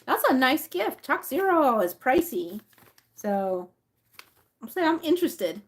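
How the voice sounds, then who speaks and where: A woman's voice: high-pitched, very animated, measured pace. A woman from Mexico and the rural Southwest hosting a casual livestream, chatty and informal as she thinks aloud. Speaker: livestream host. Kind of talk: casual livestream chat, reading labels aloud and replying to viewers.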